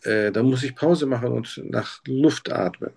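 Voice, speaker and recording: A man's voice: mid-range voice, a little slow, gravelly, darkish tone, husky. A man playing a patient in a practice doctor interview, talking in a hesitant way and searching for his words. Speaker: simulated patient. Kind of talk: role-played doctor-patient practice talk.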